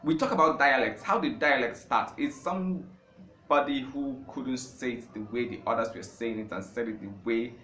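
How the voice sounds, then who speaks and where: The speaker is a male Nigerian language teacher and native Igbo speaker with a medium-pitched, pushed and bright voice at normal speed. Delivering an informal talk on learning languages, he repeats phrases for stress and builds to impassioned peaks, all captured in an echoey room with faint background noise.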